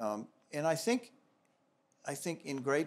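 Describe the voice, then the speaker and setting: A man talks at a fairly slow pace with lively intonation. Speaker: journalist and editor, interviewer; journalist, interviewer. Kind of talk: onstage public conversation. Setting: stage with audience in a theater. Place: stage.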